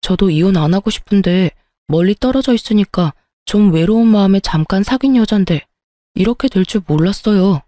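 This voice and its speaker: A woman reading as a defensive cheating husband, whining and making excuses. Mellow tone, dry and close. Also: medium pitch, animated, moderate pace, no room sound, natural voice. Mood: pleading.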